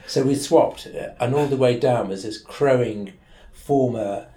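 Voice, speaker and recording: A man's voice: mid-range voice, a little slow, dark tone, echoey room. A man in his seventies with a Manchester accent, a guest lawyer telling wry, rambling anecdotes in an interview from his office. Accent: Mancunian English. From England. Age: 70s. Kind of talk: storytelling in an interview.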